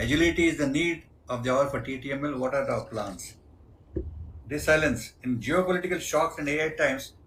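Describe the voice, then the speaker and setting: Recorded with noticeable background noise and audible room echo, a man with a fairly high voice speaks fairly quickly with ordinary pitch variation. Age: 70s. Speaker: shareholder speaking at company meeting. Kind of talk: prepared speech at shareholder meeting. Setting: video conference.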